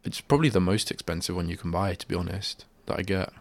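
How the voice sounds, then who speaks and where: A man's voice: low-pitched, fast. A male radio host with a stuffy head cold, chatting in a rambling, self-deprecating way at a studio microphone. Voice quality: bunged-up, nasal. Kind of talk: casual solo radio chat.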